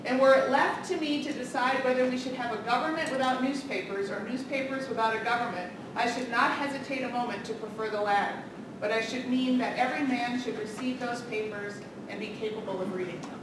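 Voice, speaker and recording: A loud, energetic middle-aged woman lectures on political science in a big carpeted meeting room. Her voice sits a little high and carries. It is caught by a camera at the back, so it sounds distant and very echoey over a noisy hiss. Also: a little fast. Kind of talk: public lecture.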